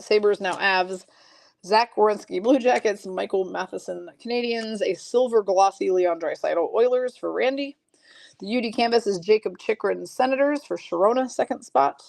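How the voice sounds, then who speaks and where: A creaky, darkish, medium-pitched female voice, recorded with no echo, belongs to a card-break streamer. She chats casually with her audience and reads off cards and teams, sounding a little froggy.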